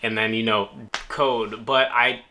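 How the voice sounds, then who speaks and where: Bright-voiced young man, joking vlogger. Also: lowish voice, fairly even intonation, measured pace, a little hiss or hum. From New Orleans, United States. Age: young adult. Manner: laid-back, joking, self-teasing. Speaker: YouTuber answering viewer questions. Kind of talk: casual Q&A vlog.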